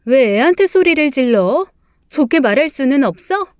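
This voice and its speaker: Woman plays an indulgent young mother, high-pitched, indignant and defensive. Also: expressive, normal speed, no room sound, clean studio sound. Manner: indignant, retorting. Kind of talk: story reading with acted dialogue.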